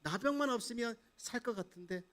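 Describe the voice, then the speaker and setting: A man's voice: extremely high pitch, animated, fairly quick, a bit bright, voice pushed up. A male pastor acting out a proud, hot-tempered army commander as a quote within his sermon. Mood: despairing. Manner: grumbling, then humbled.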